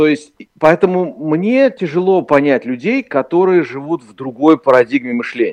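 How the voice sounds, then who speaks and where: At a moderate pace, a man talks with a plain, everyday voice, fairly high in pitch, and lively intonation. The sound is dry and close, with no echo. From former Soviet Union (Ukraine or Russia). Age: 40s. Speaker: theologian. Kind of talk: phone interview.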